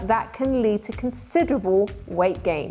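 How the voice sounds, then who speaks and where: Over faint background music, a woman speaks at a fairly slow pace. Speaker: TV presenter. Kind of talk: presenter monologue to camera. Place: studio.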